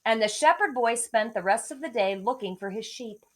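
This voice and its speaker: Female schoolteacher storyteller, lively melodic range, expressive read-aloud delivery aimed at young kids. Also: fairly high pitch, normal speed. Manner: expressive, clearly addressing children. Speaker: elementary school teacher reading to pupils.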